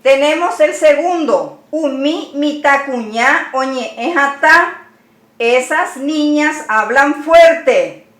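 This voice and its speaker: A woman with a high, bright voice gives a language lesson at an unhurried pace. She spells words out letter by letter and explains them patiently. The sound is a little echoey, as if in a bare room. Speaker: language teacher.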